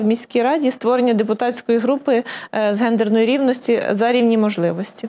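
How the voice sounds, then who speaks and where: Her tone dark and mellow, a woman speaks at a fairly quick pace with fairly even intonation. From Lutsk, Volyn, Ukraine; Volyn, Ukraine. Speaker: city council member; city council deputy, guest. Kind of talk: studio talk show discussion. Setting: TV studio. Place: studio. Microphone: lapel.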